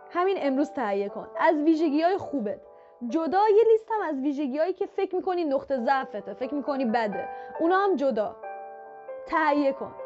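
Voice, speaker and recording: A woman with a high voice talks straight to the listener in a motivational self-help style. She coaches with direct, repeated points. The audio is slightly dull, with faint music underneath. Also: darkish tone. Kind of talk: motivational talk to the viewer.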